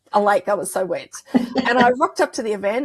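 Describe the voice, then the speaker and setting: A woman speaks with an Australian accent. The sound is dry and close, with no echo. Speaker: online business manager and life coach. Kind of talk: casual chat. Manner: fast.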